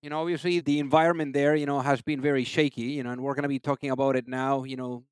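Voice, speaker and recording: A man's voice: medium pitch, little pitch movement, fast, clear, resonant tone, no room sound. A man hosting a podcast interview, wordy and conversational, often padding with "you know".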